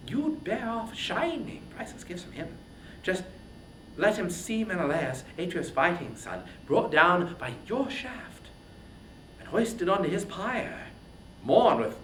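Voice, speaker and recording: Casting: a reader as scheming war goddess, seductive and urgent, very lively pitch, epic storytelling in a roomy space. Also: slight background noise. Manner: tempting, urgent, dramatic. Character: Athena, cunning seductive warrior goddess disguised as spearman.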